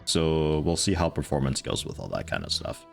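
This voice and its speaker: A man livestreaming a video game, chatting in a mellow, soothing, rambling way. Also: rumbling low, big pitch swings, moderate pace, vocal fry, soft background music. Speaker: gaming livestreamer. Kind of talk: casual livestream commentary.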